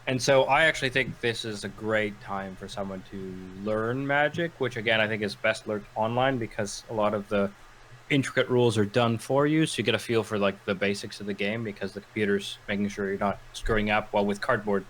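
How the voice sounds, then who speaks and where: A man co-hosting a casual gaming podcast chats in a rambling way, bringing his stories to life by acting out quotes. His voice is on the low side and fairly quick, and the low-quality recording has a bit of hiss or hum.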